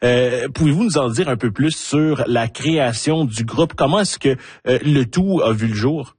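A man hosting a radio interview, asking polite, measured questions. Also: medium pitch, a little mellow, husky, dry recording.

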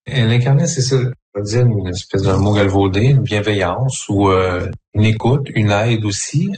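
A man's voice: lowish voice, moderate pace, darkish tone, a little hiss or hum. A man with a Quebec French accent speaking reflectively in an interview clip, circling around his ideas and often adding "tu sais". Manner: reflective, rambling, repeats "tu sais". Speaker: artist interviewed.

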